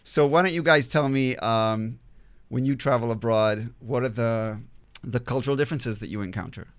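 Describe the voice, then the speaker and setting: A man hosting a panel podcast, talking in an upbeat, halting way with fillers and restarts. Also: mid-range voice, clean tone. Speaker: podcast host.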